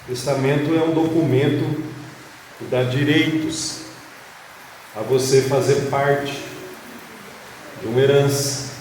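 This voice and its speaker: A Brazilian man preaching and reading scripture, speaking deliberately phrase by phrase in a church hall. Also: medium pitch, steady tone, darkish tone. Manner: deliberate, phrase by phrase, with rhetorical questions. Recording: very echoey hall, distant mic, faint noise.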